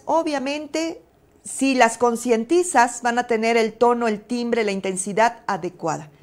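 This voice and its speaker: A woman with a Mexican Spanish accent coaching an online audience on presence in front of the camera. Her voice sits a bit high, and she teaches in an emphatic, didactic way. She poses rhetorical questions and uses fillers as she explains. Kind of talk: webinar lesson.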